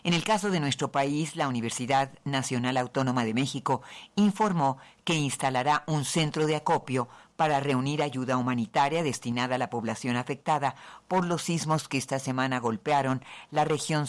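A man reading the news as a radio anchor, in a measured, formal delivery. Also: medium pitch.

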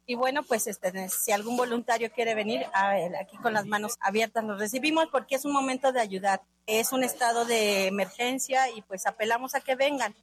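Woman talking off the cuff in an interview, lots of ums, voice a bit high. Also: brisk, hardly any pauses. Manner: hesitant, with many fillers. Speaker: spokesperson interviewed. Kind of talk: casual interview speech.

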